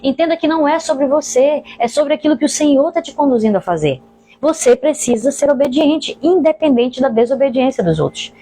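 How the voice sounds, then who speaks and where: Quick, high-voiced Brazilian woman pastor. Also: animated, mellow, faint music behind. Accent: Brazilian Portuguese. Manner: earnest, addresses listeners directly. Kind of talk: preaching testimony.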